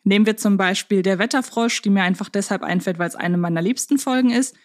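Female podcast host, mid-pitched voice, relaxed conversational delivery with a humorous touch. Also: fast. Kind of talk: casual humorous podcast chat.

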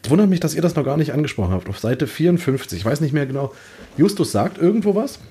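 A man's voice: a little high, big pitch swings, fast talker, warm tone, husky. A man co-hosting a casual book discussion, talking in a colloquial, questioning way. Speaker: podcast co-host.

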